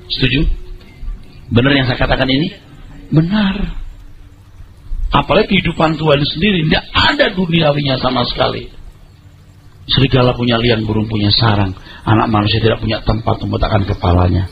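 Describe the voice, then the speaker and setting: A man's voice: medium pitch, a little fast, creaky, pauses often, background noise. A middle-aged male pastor preaching a sermon, emphatic and conversational, with colloquial asides to the congregation. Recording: dull lo-fi audio with music behind. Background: background music.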